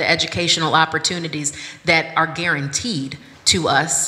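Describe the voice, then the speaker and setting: In a Southern US accent, a woman speaks at a fairly slow pace with a fairly low pitch. Her intonation is monotone and flat. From US South, Virginia (Prince Edward County); Virginia. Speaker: panel moderator. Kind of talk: panel discussion. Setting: stage with audience. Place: hall. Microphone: handheld.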